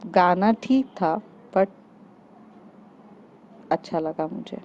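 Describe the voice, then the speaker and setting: A quietly stern young teacher, as a woman narrator puts her on, speaks in a low, firm hush. Her delivery is slow, and her tone is mellow. The sound is dull and lo-fi. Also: lively intonation, a little hiss or hum. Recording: dull lo-fi recording.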